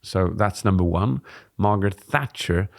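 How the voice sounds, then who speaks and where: A deep-voiced man with a gravelly edge talks through a presentation tip for a podcast. He explains things steadily and unhurriedly, stretching some words. He speaks into a studio microphone in a dim room. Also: measured pace. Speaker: podcast co-host, presentation coach. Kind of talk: casual podcast chat. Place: dim studio with warm lamps. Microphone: studio mic on boom arm.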